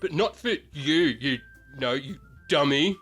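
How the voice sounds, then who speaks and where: A man's voice: on the high side, animated, a little slow, a bit bright, slightly rough, soft background music, heavily acted. A man voicing a prickly teenage schoolgirl who talks in a huffy, defensive and dismissive way.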